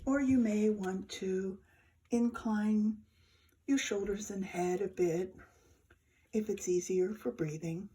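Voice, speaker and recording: A woman leads a guided meditation as a yoga teacher. Her voice is mellow and relaxed, at a middle pitch. She speaks very slowly and soothingly, leaving space between short phrases.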